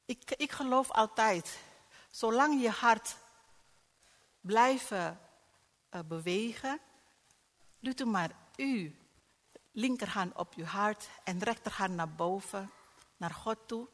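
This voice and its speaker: A middle-aged woman preaches with animated swings between hushed and loud. Her voice carries a long hall reverb, and her pacing is slow and unhurried. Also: medium pitch. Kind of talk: sermon. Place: church hall.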